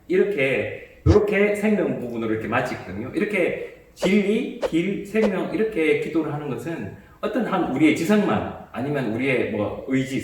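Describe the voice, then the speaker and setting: A man, a priest, calmly explaining a bible commentary and how to meditate with it, with small restarts. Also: fairly high pitch, very echoey, distant mic, a little hiss or hum.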